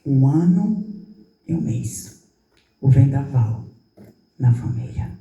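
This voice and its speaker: Uma mulher de setenta anos com sotaque nordestino brasileiro, pregando como apóstola e contando um testemunho emocionado, imitando as falas das pessoas e baixando a voz com ternura. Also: female voice, rumbling low, animated, slow pace, vocal fry. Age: 70s. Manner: tender storytelling, acting out quoted dialogue, voice dropping soft. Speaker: apostle preaching. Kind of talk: emotional testimony in a sermon. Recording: roomy hall, voice from a distance.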